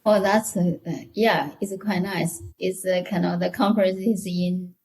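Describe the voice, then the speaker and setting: A woman with a Chinese accent chatting as a podcast guest in a halting, hesitant way. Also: on the low side, steady tone, a little mellow. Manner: halting, hesitant, many short restarts. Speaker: podcast guest, technical author. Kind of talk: casual interview chat.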